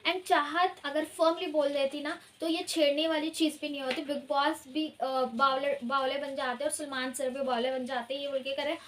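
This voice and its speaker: A woman's voice: high-pitched, fairly even intonation, moderate pace, hardly any pauses, a bit bright, a little hiss or hum. A woman reviewing a reality show in casual commentary, opinionated and often hesitating as she switches between Hindi and English.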